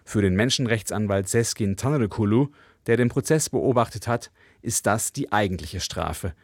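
A man reporting for radio as a correspondent, with measured, even delivery. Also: fairly low pitch, no room sound, clean studio sound. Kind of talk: news report.

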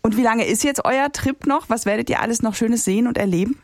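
A woman's voice: fairly high pitch, quick pace, no room sound. A woman hosting a morning radio show, chatting cheerfully with a caller from the studio. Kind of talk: casual radio phone chat.

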